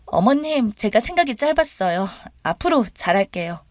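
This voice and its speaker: A woman's voice: a little high, sing-song, normal speed, dry recording, studio quality, pitched above the performer's own voice. A woman voicing a young, demanding daughter-in-law who talks in a pushy, complaining way. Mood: pleading.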